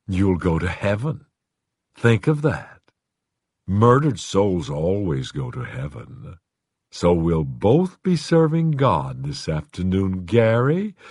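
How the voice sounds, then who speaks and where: A man's voice: low voice, darkish tone, husky, no echo, studio quality, heavily acted. A man voicing a hungry, menacing demonic figure in a black suit in an audiobook, speaking in a teasing, petulant, guttural way. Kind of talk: audiobook character voice.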